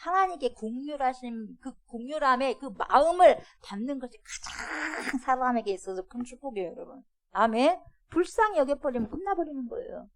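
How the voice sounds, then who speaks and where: Middle-aged woman pastor, higher voice, animated sermon with questions to the congregation. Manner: animated preaching, asks the congregation questions, swings from loud to hushed. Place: church sanctuary.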